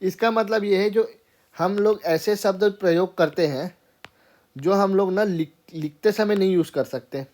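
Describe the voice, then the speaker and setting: Unhurried and darkish in tone, this man's high voice carries an informal classroom grammar lesson. He goes step by step, often pausing to check on his students with a "theek hai".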